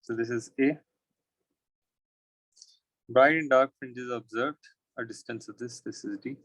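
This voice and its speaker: A man's voice: mid-range voice, steady tone, measured pace, fairly bright tone, dry recording, low-quality recording. A man with a South Asian accent tutoring physics, working through exam questions aloud in short, informal phrases as he thinks.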